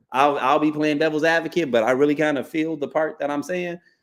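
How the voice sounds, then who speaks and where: An animated man's voice at a very fast pace. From Chicago, US Midwest. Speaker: podcast host. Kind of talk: casual monologue. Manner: loud.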